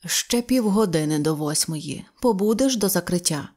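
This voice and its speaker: A woman voicing a kindly, teasing older shopkeeper in an audio fairy tale, speaking slowly. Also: fairly low pitch, animated, darkish tone. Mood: gentle.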